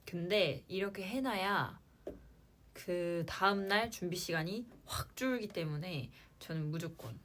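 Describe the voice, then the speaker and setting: A young woman in her twenties hosting a casual livestream, answering fans in a chatty way and trailing off softly at the ends of her lines. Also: lowish voice, unhurried, a little hiss or hum. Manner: chatty, playful sound words, trails off at line ends. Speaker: idol livestream host.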